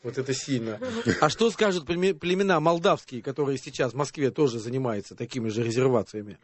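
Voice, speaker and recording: A man's voice: medium pitch, fast, no echo. A man bantering casually as a talk show guest, often cutting in with joking remarks. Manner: joking, interjecting.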